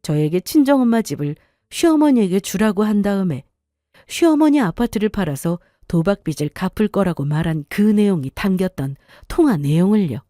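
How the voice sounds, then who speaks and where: A woman narrating a first-person story in a calm, matter-of-fact scripted delivery. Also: medium pitch, normal speed, dry recording, studio quality.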